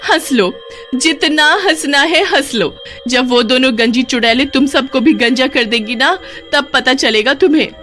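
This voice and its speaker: A dramatic village woman from a cartoon, wailing and pleading in a high, pinched voice, as a woman narrator puts her on. Her voice rises well above the narrator's usual tone. Light music plays behind her. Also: normal speed, a bit bright. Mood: indignant.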